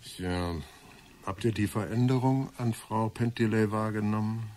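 An actor playing an inquisitive, sceptical police assistant in a radio drama, speaking conversationally. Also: male voice, lowish voice, measured pace, darkish tone, a little hiss or hum, close to an everyday voice. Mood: wry. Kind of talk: German radio drama acting.

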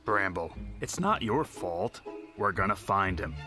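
A man voicing a steady, protective older brother bear in an animated cartoon dub, firm in manner. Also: sits low, a little slow, music in the background. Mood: reassuring. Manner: firm, reassuring.

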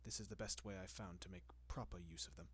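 A man playing a doting, possessive centuries-old vampire in an intimate roleplay audio, speaking in a genteel, coaxing manner with lingering pauses. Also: sits low, steady tone, a bit bright, husky, full character voice. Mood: composed, confiding.

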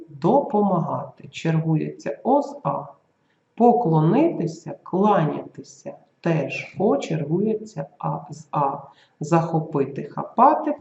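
A teacher giving a school grammar video lesson, who draws out example words slowly to mark the stress. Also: medium pitch, creaky, darkish tone, reverberant, highs cut off.

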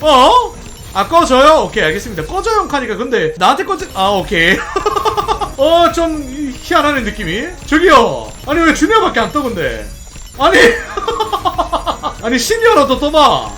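A gaming channel host giving casual commentary as they play, excitable, laughing often, pleading with the game and talking straight to viewers. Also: high voice, brisk. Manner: talks directly to viewers.

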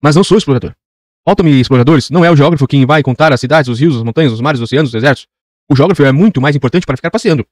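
A man's voice: mid-range voice, racing, darkish tone, dry recording, studio quality, close to an everyday voice. A man voicing a self-important old geographer who lectures pedantically. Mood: lecturing. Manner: lecturing, pompous.

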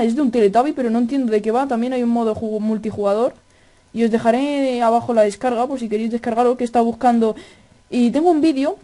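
A male gaming YouTuber with a Spain Spanish accent, doing excitable horror let's-play commentary at a desk microphone, swearing often and yelling at scares. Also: very high voice. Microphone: desk microphone at a computer.

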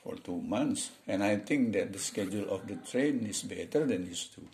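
A man's voice: lowish voice, animated, unhurried, darkish tone, a little hiss or hum. A man reading a coworker who commutes by train. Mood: easygoing. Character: young male office worker who rides the train.

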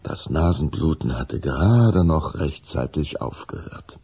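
A man as a measured storybook narrator in a children's audio drama, reading a scripted story. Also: very deep voice, expressive, mellow, breathy edge, full character voice. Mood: narrating.

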